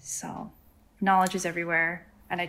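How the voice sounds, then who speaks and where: A woman's fairly low, monotone, flat voice with vocal fry and an American accent, at a moderate pace, in a very clean recording with a silent background. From US, San Diego, California. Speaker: Pacific community member. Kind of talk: casual chat.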